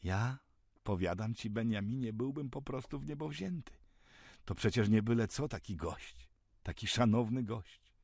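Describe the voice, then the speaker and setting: A man's voice: mid-range voice, animated, moderate pace, darkish tone, no echo, studio quality. A man voicing a simple, good-natured, henpecked village man who speaks in an easygoing, folksy way.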